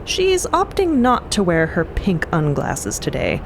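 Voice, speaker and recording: Woman, slightly low pitch, conversational story narrator, noticeable ambient noise bed. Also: huge pitch swings, unhurried. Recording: clear ambient noise behind voice.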